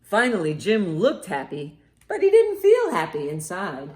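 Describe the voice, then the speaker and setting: A woman's voice: on the low side, huge pitch swings, unhurried, darkish tone, roomy sound. A woman presenting storytime for young children, reading and explaining expressively and speaking to them directly. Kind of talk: picture-book storytelling and instruction for young children.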